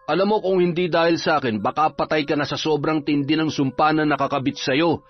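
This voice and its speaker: An irritable village folk healer scolds at a rapid clip in a raised voice, as a male storyteller plays him. The recording is slightly dull, with faint music underneath. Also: a little high, fairly even intonation, natural voice. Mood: scolding. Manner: scolding, fast.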